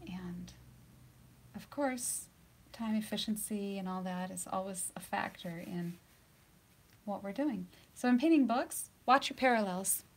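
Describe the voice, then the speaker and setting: Surrounded by studio lights and cameras, a woman teaches painting live, talkative and quick to laugh, occasionally lowering her voice to a gentle near-whisper as she paints. She speaks in a mid-range voice without hurrying.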